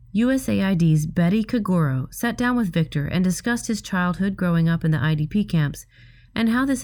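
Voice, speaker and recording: A woman reading scripted narration in a measured, even way. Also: on the low side.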